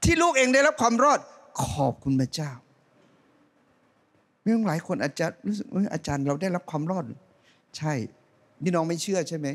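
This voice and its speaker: A middle-aged male pastor preaches from a church stage, holding a handheld mic. His voice sits fairly high for a man and leaps around a great deal, rising to loud calls and dropping to quiet asides. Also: normal speed, long pauses. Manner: animated preaching, swinging between loud rising calls and soft low asides. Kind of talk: sermon.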